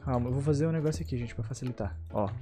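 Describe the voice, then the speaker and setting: A young Brazilian man hosting excited gameplay chat, who yells sudden high bursts of "no" and mutters low in between. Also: rapid-fire. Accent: Brazilian Portuguese. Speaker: gaming YouTuber host.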